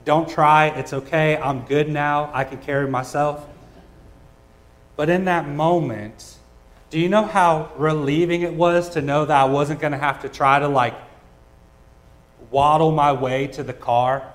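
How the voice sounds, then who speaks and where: A man's voice: fairly high pitch, steady tone, unhurried. A man preaching a sermon, telling a personal story in a casual, joking way with frequent "uh" fillers, at a church service. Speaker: pastor.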